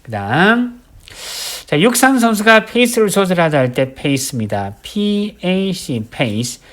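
Male vocab instructor, lively up-and-down delivery, drills each word over and over. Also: sits high. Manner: drills words by slow repetition, writes as he explains. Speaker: English vocabulary teacher. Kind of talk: recorded vocabulary lecture.

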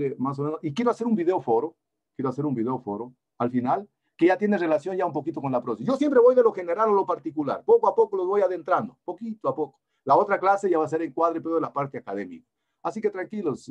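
A man lecturing his students over a video call, relaxed and coaxing, often repeating his phrases. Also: fairly high pitch, dull audio. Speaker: engineering lecturer. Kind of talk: online class talk.

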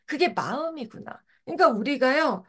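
A woman's voice: sits high, animated, moderate pace, a bit bright. A middle-aged woman leading an online book club, talking animatedly and acting out quoted thoughts with frequent laughs. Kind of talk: book discussion talk to an online group. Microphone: video call.

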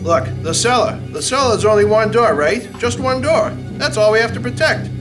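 A man's voice: high-pitched, animated, normal speed. A man playing an irritable, stubborn, fearful family man, argumentative and insistent, in a radio play. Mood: stubborn, irritated. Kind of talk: stage radio-play acting. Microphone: stand microphone on a stage. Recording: music under stage performance.

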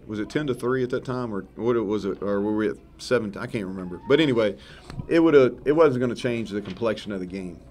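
A man's voice: on the low side, fast, hardly any pauses. A man in his thirties, a head football coach, giving rambling, frank post-game answers at a press table full of microphones. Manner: rambling, self-correcting, relaxed and frank. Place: press conference room in front of a sponsor backdrop. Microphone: several table microphones in front of him.

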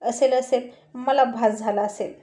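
A woman's voice: a little high, steady tone, a little slow, warm tone, echoey room, close to an everyday voice. Woman voicing teasing old grandfather. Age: older. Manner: teasing, scolding.

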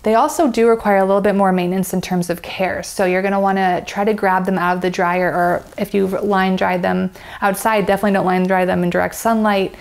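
A woman's voice: mid-range voice, level tone, a little fast, creaky, hardly any pauses. A woman in her thirties with an American accent, giving a chatty, enthusiastic product review to camera while seated on a bed in a bedroom.

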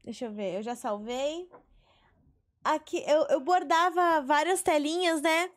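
Speaking at a measured pace in a voice that sits high, a young woman streams a life-sim game from her small bedroom setup, sharing stories and casual chat with her viewers and occasionally cursing. Her audio comes through a headset mic on a webcam stream.

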